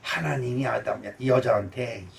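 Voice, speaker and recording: A male pastor giving a sermon, animated, swinging from shouts down to quiet murmurs. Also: mid-range voice, a little slow, vocal fry, recorded from a distance.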